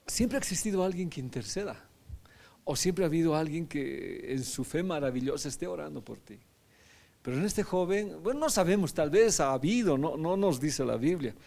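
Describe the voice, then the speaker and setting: A man's voice: on the high side, vocal fry, dark tone. A man, a pastor, teaching a Bible lesson in a conversational sermon, often asking his listeners questions and adding tag questions.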